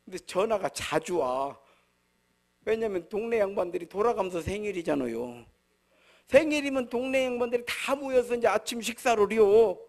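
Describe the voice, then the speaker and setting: A middle-aged man preaching a sermon as pastor, telling stories and acting out quoted voices, with swings from soft murmurs to loud emphatic bursts. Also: high-pitched, expressive, moderate pace. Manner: storytelling, acts out quoted voices.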